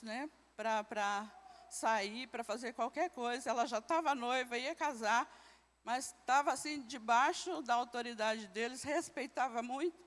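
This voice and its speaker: A woman's voice: fairly high pitch, a bit bright. Brazilian woman teaching a church class. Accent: Brazilian Portuguese. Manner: questions the class, frequent tag "né". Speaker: Sunday school teacher. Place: church hall. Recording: long reverb in a church hall.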